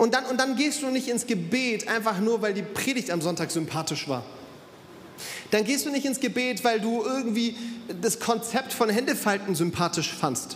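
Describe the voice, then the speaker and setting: An animated man at an extremely high pitch, with ordinary pitch variation and a moderate pace, amid audible room echo and noticeable background noise. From Cameroon (Yaoundé). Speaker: guest preacher. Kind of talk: sermon. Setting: church with congregation.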